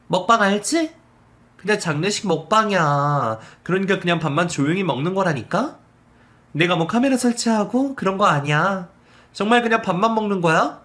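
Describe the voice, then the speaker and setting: A man's voice: sits high, sharp tone, pitched above the performer's own voice. A man voicing a rude, entitled young woman who whines and quarrels shrilly in a storytelling video.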